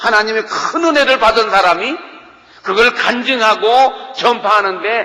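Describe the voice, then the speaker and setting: With noticeable background noise behind him, a man uses a raised, projected voice that is high in pitch, with very wide pitch swings at a moderate pace. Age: 60s. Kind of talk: testimony.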